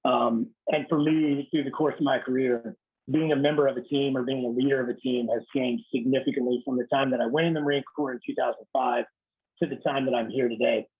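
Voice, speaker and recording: Man: raspy thirties officer, blunt and casual, thin phone-like audio on a video call. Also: medium pitch, steady tone, brisk. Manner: blunt, casual, swears lightly. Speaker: Marine Corps officer speaking to a unit. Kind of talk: informal leadership talk on a video call.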